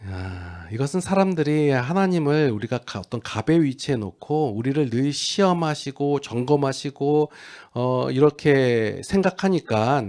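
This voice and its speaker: A middle-aged male pastor giving a conversational sermon, acting out quoted lines and building to loud, emphatic peaks. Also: medium pitch, expressive, a little slow, hardly any pauses.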